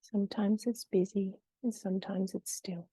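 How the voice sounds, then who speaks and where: A woman leading a guided meditation in a gentle, soothing, unhurried way with long pauses between short phrases. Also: mid-range voice, fairly even intonation, slightly rough, no room sound.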